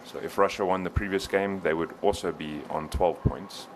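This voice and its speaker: A man with a very low voice commentates a qualifier. He analyzes the standings steadily. Steady background noise fills the feed. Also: normal speed. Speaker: sports commentator. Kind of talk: play-by-play commentary.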